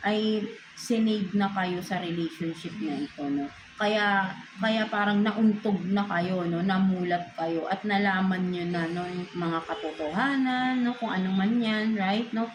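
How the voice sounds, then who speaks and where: This tarot reader, a woman with a Filipino accent, talks at an unhurried pace in a medium-pitched voice, with a roomy sound and a noisy background. Her casual reading blends English into Filipino, with "no?" tagged questioningly onto almost every phrase.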